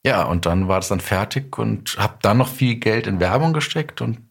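Low-voiced middle-aged man, husky edge. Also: lively intonation, normal speed. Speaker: guest, audio drama writer and director. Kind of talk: casual interview storytelling.

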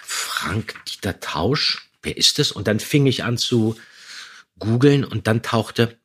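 A man co-hosting a podcast, chatting casually in a slightly husky voice. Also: lowish voice, lively intonation, slow pace, a bit bright. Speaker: podcast co-host. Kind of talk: casual chat.

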